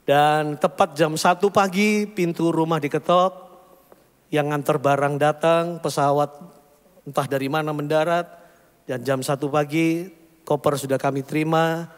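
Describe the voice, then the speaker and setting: A man's voice: a little high, unhurried, clear, resonant tone. A middle-aged male pastor, telling stories animatedly in a sermon. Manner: animated storytelling, often calling the congregation "saudara". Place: church hall. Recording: long hall reverb.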